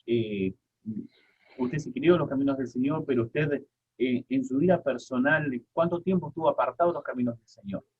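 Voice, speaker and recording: A man's voice: medium pitch, moderate pace, slight background noise. A man hosting a Christian radio interview, formal and reverent, addressing his guest with respect. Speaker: radio host. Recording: thin phone-like line.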